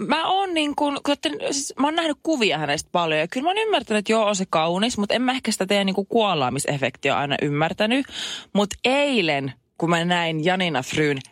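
A middle-aged woman co-hosting a morning radio show, telling stories in lively casual banter and laughing often. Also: medium pitch, dry recording, studio quality.

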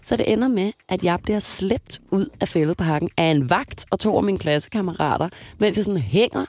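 A young woman co-hosting a radio show, telling an embarrassing story in an animated, laughing way. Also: on the low side, no echo. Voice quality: lively, animated, laughs a lot. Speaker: radio co-host. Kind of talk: casual storytelling chat.

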